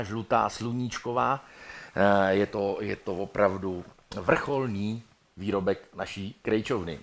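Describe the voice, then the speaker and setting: A man's voice: on the low side, a bit bright. A man, an actor, hosting a playful live stream from a theatre, chatty and hesitant, with many fillers. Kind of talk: casual live-stream chat.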